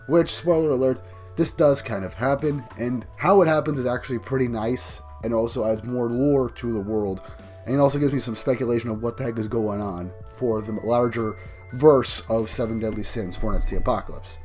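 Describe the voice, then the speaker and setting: A man fighting off a cold talks through a manga chapter, his voice a bit groggy and tired. He rambles eagerly and restarts his sentences as he goes. His pitch sits in the middle, and soft music plays quietly underneath. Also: brisk. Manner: enthusiastic, rambling recap with restarts. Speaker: manga review YouTuber. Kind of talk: casual manga chapter review.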